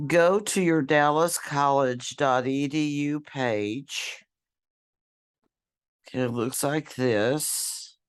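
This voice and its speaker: Brief: hoarse woman, voice half gone, slow unhurried screen-share tutorial, throat clearing, computer mic. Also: low-pitched. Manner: slow, halting, clears throat often, apologetic. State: losing her voice, hoarse and whispery. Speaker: college librarian or instructor.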